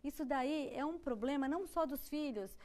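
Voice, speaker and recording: A woman's voice: high-pitched, normal speed, a little mellow. A woman with a Brazilian Portuguese accent hosting a talk show, engaged and affirming as she picks up her guest's points. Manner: engaged, affirming, asks follow-ups. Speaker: host.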